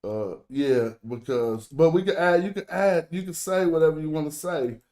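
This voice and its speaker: A man's voice: a little high, moderate pace, darkish tone. American man teaching casually, African American Vernacular English. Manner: informal, loose phrasing with slang. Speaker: host and language teacher. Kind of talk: casual teaching chat in an online group call.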